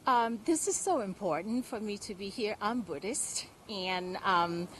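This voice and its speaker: A woman answers questions outdoors in the cold, in a middle-pitched voice. She speaks earnestly and haltingly, pausing often and reaching for words. There is a faint outdoor hiss behind her. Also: lively intonation, fairly bright tone, poor audio. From Thailand. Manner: earnest and halting, with many pauses and fillers. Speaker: interviewee. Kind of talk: street interview.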